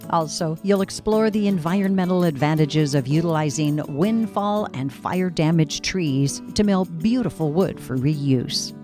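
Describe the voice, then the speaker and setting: A female radio host reads scripted announcements in a smooth, clear way. Her voice sits low. Music plays clearly behind her. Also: moderate pace, hardly any pauses, darkish tone. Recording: radio show with music bed.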